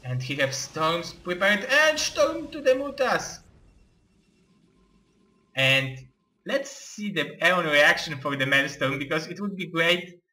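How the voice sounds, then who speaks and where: A young man with an Eastern European accent, giving live play-by-play game commentary in halting, excitable non-native English. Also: fairly high pitch. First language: not English.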